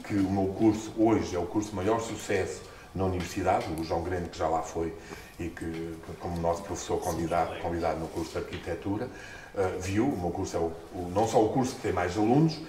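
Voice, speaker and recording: Middle-aged man, European Portuguese accent, animated storyteller with big jumps in pitch; low voice, camera mic far off in an echoey room. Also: a little fast, slight background noise. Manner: expressive, gestures and laughs often, jumps in pitch when excited. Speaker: book author. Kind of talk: animated storytelling at a book launch. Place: small stone-walled room, indoors.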